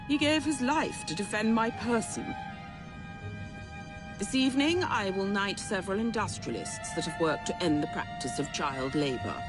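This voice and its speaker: A composed, regal queen, voiced by an actress. She speaks in measured, formal lines with a lively, moving pitch. Music runs clearly behind her. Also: close to an everyday voice. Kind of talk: video game cutscene dialogue.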